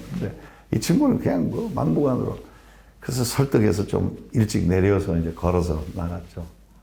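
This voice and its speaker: With a Jeolla accent, a man talks at a moderate pace in a fairly low, somewhat breathy voice with a dark, mellow tone and lively intonation. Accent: Korean Jeolla dialect. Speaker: medical professor. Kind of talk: interview answer. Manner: calm, matter-of-fact.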